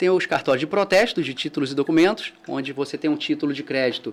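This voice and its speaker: Speaking with a Rio de Janeiro accent, a man talks at a fairly quick pace in a fairly high pitch, with ordinary pitch variation. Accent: carioca. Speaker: notary. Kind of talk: interview. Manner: formal.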